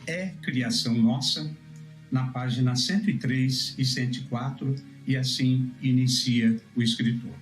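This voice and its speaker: A Brazilian man gives religious teaching in a measured, emphatic manner. His voice sits at a middle pitch and rings with noticeable room echo. Music plays faintly behind him. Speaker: preacher. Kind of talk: religious teaching, scripture exposition.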